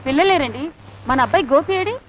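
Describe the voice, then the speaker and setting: A woman's voice: high voice, animated, fast, a bit bright, a little hiss or hum. An actress playing an insistent woman who claims to be a man's wife from a past life, bossy and affectionate. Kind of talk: Telugu film comedy acting. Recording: slightly dull film soundtrack.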